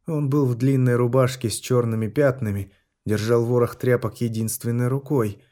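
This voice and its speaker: A man giving scripted narration of a dark fantasy story in a measured, tense manner. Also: mid-range voice, fairly even intonation. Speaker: audiobook narrator.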